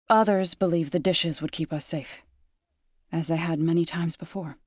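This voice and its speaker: A woman playing a gentle, resolute tribal warrior in a video game, speaking in a measured, solemn, softly sincere way. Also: fairly low pitch, dry recording, studio quality. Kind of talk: scripted game character dialogue. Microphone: close studio microphone.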